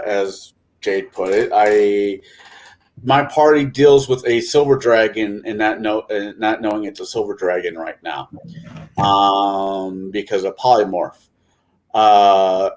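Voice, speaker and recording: A man's voice: lowish voice, darkish tone. A man chatting casually as a game master on a panel, rambling and hesitant as he corrects himself. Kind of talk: casual chat about tabletop gaming.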